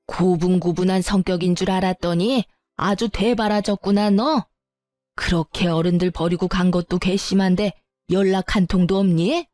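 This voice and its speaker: A woman's voice: medium pitch, darkish tone, no room sound, natural voice. Woman voicing a mother-in-law, scornful, nagging, belittling, dry close sound. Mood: indignant. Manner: sighing, sneering, belittling.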